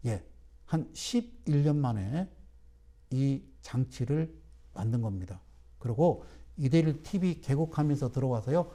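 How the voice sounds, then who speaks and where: A middle-aged man lectures on trading for a broadcast, pressing his points and throwing rhetorical questions at viewers. His voice sits a little high for a man yet sounds dark and mellow. His pitch swings widely from phrase to phrase. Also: gravelly.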